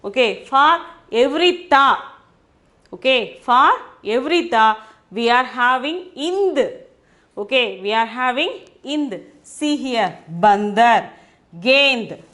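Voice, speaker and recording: Slow, high-voiced woman teaching Hindi sounds. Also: animated, fairly bright tone. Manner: repeats each phrase twice, sounding out syllables. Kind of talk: slow classroom explanation.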